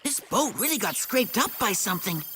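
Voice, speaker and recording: A woman's voice: mid-range voice, very animated, a little fast, slight background noise. A woman voicing a wisecracking, laid-back teenage boy secret agent in an action cartoon. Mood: wry. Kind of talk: animated action cartoon acting. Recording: loud music behind the voice.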